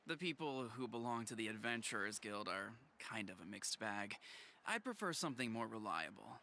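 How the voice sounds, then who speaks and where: An actor playing a protective, dignified tribal chief in a video game, measured, formal and authoritative. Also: male voice, fairly low pitch, sing-song, vocal fry, pushed and bright, a little hiss or hum, exaggerated voice. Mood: stern.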